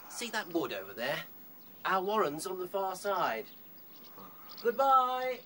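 A man's voice: sits high, very animated, slow pace, sharp tone, slight background noise, exaggerated voice. A British man acting a suave, languid, aloof rabbit in a radio play, speaking formally and without hurry.

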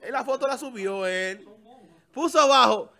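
A man hosting a joking studio chat, playful and halting with fillers. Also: extremely high pitch, gravelly, sharp tone. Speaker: show host.

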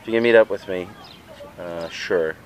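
Holding a camera, a man casually shows off his vendor tables at an outdoor street fair, chatting and rambling as a flea market seller. His voice sits low and moves at a normal pace, with a little hiss or hum.

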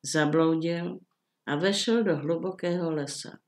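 An older woman reading a classic fairy tale aloud in a calm, measured storytelling manner. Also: sits low.

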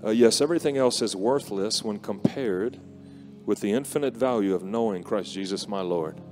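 Worship music plays live under the lowish voice of a man in his forties who preaches from a large indoor arena stage. Using a handheld mic for the conference's closing exhortation, he stays earnest and soft-spoken, stopping frequently with fillers.

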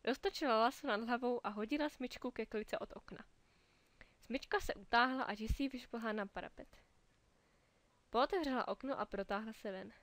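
A woman reading a children's storybook aloud in a clear, lively way, giving the characters small voices of their own. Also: on the high side, dry recording.

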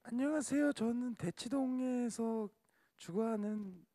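A man in a mask whose voice runs through a voice changer that shifts it deep, giving short deadpan joking answers as a contestant on a live show. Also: unhurried, no echo. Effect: voice changer shifting his voice deep. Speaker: masked contestant, a teacher. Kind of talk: playful live show banter.

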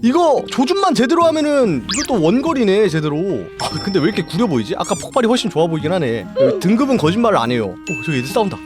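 A young adult woman giving casual gameplay commentary, talking to herself and shouting at the game. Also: medium pitch, sing-song, quick pace, few pauses. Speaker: game streamer. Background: game music.

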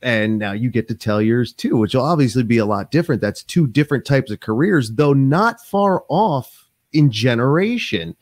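A man's voice: medium pitch, normal speed, no echo. Podcast host, thirties, man; rambling, chatty delivery on a desk mic, dry close sound. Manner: rambling, animated, lots of fillers and restarts. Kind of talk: casual interview chat. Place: small home office. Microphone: desk microphone on stand.

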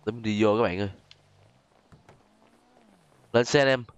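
Speaking at a normal pace in a fairly low, clean voice, a gaming YouTuber with a southern Vietnamese accent chats and exclaims his way through casual role-play gameplay, frequently addressing viewers. The audio sounds dull.

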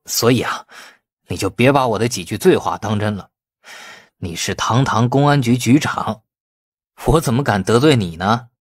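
A man's voice: medium pitch, moderate pace, breathy edge, dry recording, clean studio sound, natural voice. A man voicing a glib, cunning young man in an audiobook, wheedling and feigning innocence with false earnestness. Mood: feigned panic.

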